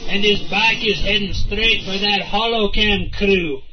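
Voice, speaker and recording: A man's voice: high-pitched, a little slow. A man playing a brash, hungry male space trooper who talks in a cocky way. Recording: dull lo-fi recording.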